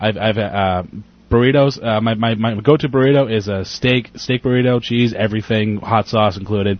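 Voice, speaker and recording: A man with an ordinary speaking voice talks at a medium pitch. His pace is moderate and his intonation fairly even. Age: 20s. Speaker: comedian. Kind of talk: casual chat. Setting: studio.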